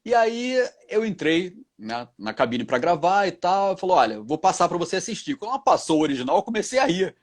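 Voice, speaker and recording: A male voice actor and dubbing director, answering interview questions with animated stories, acting out quoted lines in other voices and laughing often. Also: sits high, brisk, hardly any pauses.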